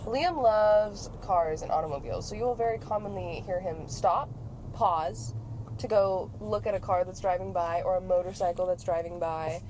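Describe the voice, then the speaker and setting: A woman hosting a casual podcast chat from a moving car, animated and swearing freely. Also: lowish voice, normal speed, rough recording. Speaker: podcast host. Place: inside a car being driven. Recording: clear car and road noise. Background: car ambience and road noise.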